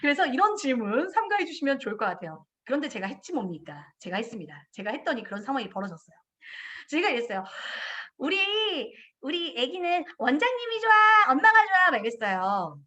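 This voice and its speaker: A middle-aged woman, a kindergarten director, speaks to parents in a parenting lecture. Her voice sits high and swings widely up and down. She brings the talk to life by acting out children and parents in quoted voices. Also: a bit bright.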